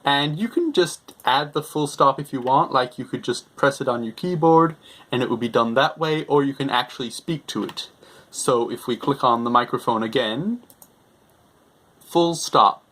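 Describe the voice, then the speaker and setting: A young man hosting a software tutorial, explaining each step in simple, repetitive terms. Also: mid-range voice, normal speed. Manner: simple, repetitive explaining, refers to himself in third person. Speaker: tutorial host.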